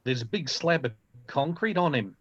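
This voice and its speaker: A man acts a laid-back policeman in a comedy read, heard over dull online audio. His fairly high voice is blokey and casual, handing out blunt safety advice. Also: expressive, moderate pace, a bit bright, slightly rough. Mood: unbothered.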